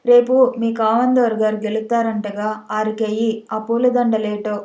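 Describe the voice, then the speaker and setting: A woman's voice: a little high, level tone, normal speed, dark tone, lightly acted. A woman voicing a frightened young village woman who is by turns defiant and pleading. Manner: tearful, pleading. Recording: echoey room.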